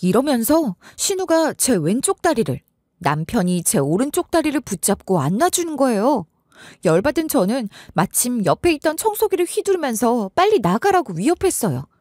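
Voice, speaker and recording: Lively woman telling a story. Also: on the high side, normal speed, no echo, clean studio sound. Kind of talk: first-person story narration.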